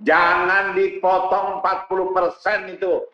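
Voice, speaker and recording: Male guest, earnest and animated, slightly high-pitched, echoey lo-fi room. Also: unhurried. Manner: animated, addresses host as "Pak" often. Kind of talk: casual talk show conversation. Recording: roomy, dull studio sound.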